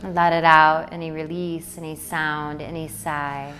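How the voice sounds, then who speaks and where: A woman leading a guided meditation in a poetic, soothing way, with deliberate phrasing and long pauses. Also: low-pitched, little pitch movement, background noise. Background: music.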